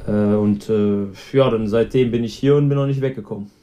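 A man in his twenties, a guest on a podcast, answering in a relaxed, rambling way with many fillers. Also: lowish voice, fairly quick. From Belgium. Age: 20s. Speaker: guest, pro cyclist. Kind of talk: casual interview answers.

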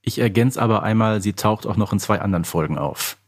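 A man's voice: lowish voice, fast talker, breathy edge. A man answering and chatting casually as a contestant on a quiz podcast, playfully sure of himself.

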